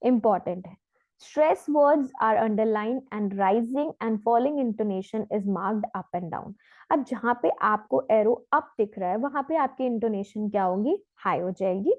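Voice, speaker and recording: A woman trainer gives an exam prep lesson. She speaks in a fairly high voice and reads the sample passages slowly and deliberately. The sound is tinny and phone-like, and the room is dry. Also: animated, no echo. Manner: mixes Hindi and English, asks and answers her own questions.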